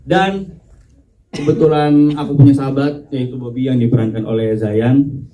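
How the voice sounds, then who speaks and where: A man's voice: medium pitch, steady tone, normal speed, dark tone, far from the mic, poor audio. A young man from Jakarta, an actor at a press conference, talking hesitantly with many fillers. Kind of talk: casual chat.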